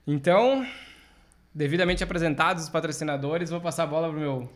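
A man's voice: fairly high pitch, brisk. A man co-hosting a podcast, reading out sponsors and chatting in an easygoing way. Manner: easygoing, filler-heavy "aí". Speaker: podcast co-host. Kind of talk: casual podcast chat.

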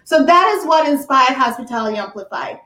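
A woman's voice: sits high, lively intonation, fairly quick, sharp tone. A woman from Ghana, a guest talking upbeat and chatty about her work over a video call. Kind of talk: casual interview chat. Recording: echoey room.

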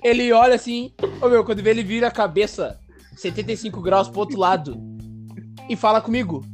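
A man, a podcast co-host telling a school story in an animated, slangy way full of fillers. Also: high voice, fairly quick, faint music behind. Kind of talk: casual storytelling chat.

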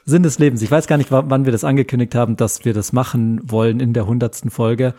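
A man's voice: mid-range voice, fairly even intonation, quick pace, mellow. A man co-hosting a podcast in casual comedic chat, wry and mock-exasperated. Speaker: podcast co-host.

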